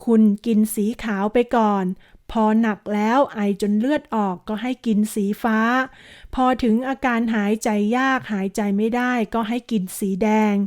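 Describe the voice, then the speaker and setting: A woman's voice: fairly high pitch, fairly even intonation, normal speed, darkish tone. A woman retelling the plot of a TV series episode, narrating politely and slipping into chatty asides. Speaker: drama recap narrator. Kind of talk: storytelling recap of a TV series.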